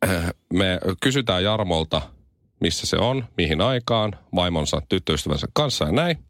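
Lower-voiced male radio host joking around. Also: no room sound, clean studio sound. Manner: animated, spins comic schemes. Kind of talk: joking radio morning show banter. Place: radio studio.

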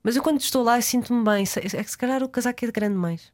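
A woman's voice: on the high side, fast talker. A young woman with a European Portuguese accent, an actress being interviewed, speaking reflectively with hesitations and frequent laughs. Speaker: guest, actress. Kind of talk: casual interview chat.

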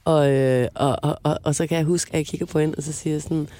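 A young woman co-hosting a radio show, telling an embarrassing story in an animated, laughing way. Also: deep voice, no echo. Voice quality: lively, animated, laughs a lot. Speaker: radio co-host. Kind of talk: casual storytelling chat.

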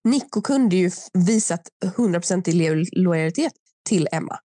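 A young woman chatting casually as a podcast host, talking through a reality show with animated asides. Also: on the low side, dry recording.

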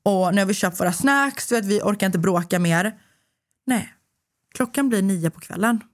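Animated young woman telling a story. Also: medium pitch. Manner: animated, swearing, acts out dialogue. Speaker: podcast host. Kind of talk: casual storytelling chat.

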